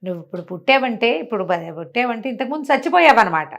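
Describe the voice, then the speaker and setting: A woman's voice: fairly high pitch, big pitch swings, fast talker, vocal fry, heavily acted. A woman storyteller voicing the Buddha as a serene, firm male teacher who admonishes and instructs. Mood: preaching.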